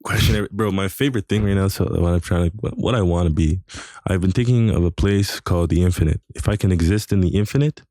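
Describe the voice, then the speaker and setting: A young man talking in a casual podcast chat, rambling and halting, full of slang and restarts. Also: low-pitched, warm tone, dry recording. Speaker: podcast host.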